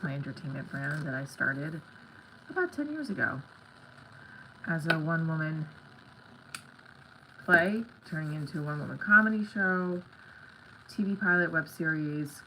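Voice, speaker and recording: Her voice is deep, bright and pushed, and stuffy from congestion. She is a middle-aged comedy creator and performer running a live stream from home, rambling on in a candid, blunt, casual manner, captured on a clearly noisy home recording full of clicks.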